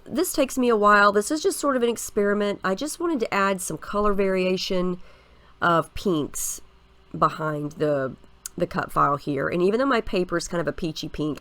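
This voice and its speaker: A woman in her thirties with a stuffy, scratchy voice from a head cold, chatting casually as she narrates a scrapbooking process. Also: lowish voice. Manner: chatty, relaxed, explains each step with fillers. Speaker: scrapbooking video host.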